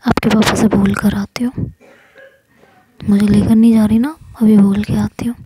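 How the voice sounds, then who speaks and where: A woman's voice: mid-range voice, flat delivery, moderate pace, slightly rough, no echo, rough recording. Rabia, a woman whispering a bossy teasing girl. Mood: scolding. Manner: sharp-tongued, scolding. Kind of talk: whispered role-play.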